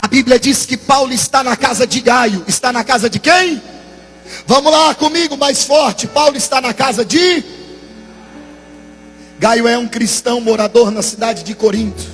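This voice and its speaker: A man with a Brazilian Portuguese accent preaching a Pentecostal sermon in a large church, shouting in a sing-song cadence and calling for responses from the crowd. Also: very high voice, moderate pace, long reverb tail, faint music behind.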